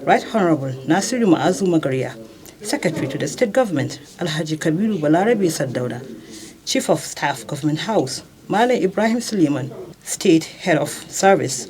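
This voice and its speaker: A woman's voice: low-pitched, rough recording. Nigerian female correspondent reading formal news. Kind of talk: scripted news report voice-over.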